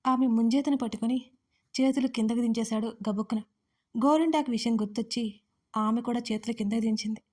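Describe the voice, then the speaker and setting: Female audiobook storyteller, gentle even reading, warm mellow timbre, slightly high. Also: a little fast. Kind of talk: audiobook narration.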